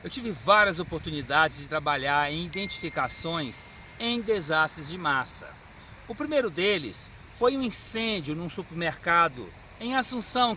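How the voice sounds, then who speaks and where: Brazilian man, 50s, measured teaching tone, high voice, clear traffic noise behind. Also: sharp tone. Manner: measured, didactic. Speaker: forensic medical examiner. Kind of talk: answering interview questions. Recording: street and car noise behind.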